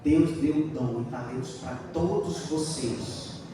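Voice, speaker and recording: A man with a Brazilian Portuguese accent preaching a sermon as a church elder, swinging between loud fervent exclamations and hushed earnest appeals. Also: a little high, slow pace, background noise. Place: church sanctuary. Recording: echoey hall, mic at a distance.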